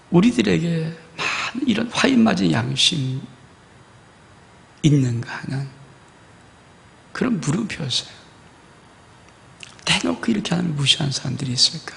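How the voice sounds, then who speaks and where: A man's voice: fairly high pitch, lively intonation, normal speed, vocal fry, pauses often, fairly bright tone, in a large hall. A male pastor preaching a fervent sermon and reading scripture aloud to his congregation. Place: church sanctuary.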